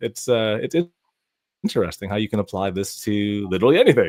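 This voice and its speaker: A man's intonation is lively in a normal speaking voice, pitched medium. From western Canada (Alberta), born in the Philippines. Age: 40s. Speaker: business consultant. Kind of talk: podcast interview.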